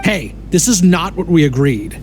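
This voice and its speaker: A man's voice: a little high, sing-song, moderate pace, a little mellow, faint music behind. A man voicing a desperate family man in a video game, earnest, agitated and protesting. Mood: indignant. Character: desperate family man turned unwilling informant, defiant.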